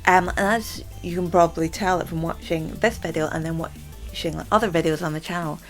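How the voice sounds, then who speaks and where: A young woman hosting a casual vlog chat. She stammers, repeating words and filling pauses with "um" and "like". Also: fairly low pitch, fairly even intonation, soft background music. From Scotland. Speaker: channel host.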